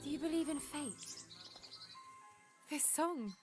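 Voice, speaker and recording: An earnest young pianist. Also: female voice, sits high, slow pace, music in the background. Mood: wistful. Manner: earnest and encouraging. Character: young woman, hopeful musician, haunted past. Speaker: game character. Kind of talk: video game voice acting.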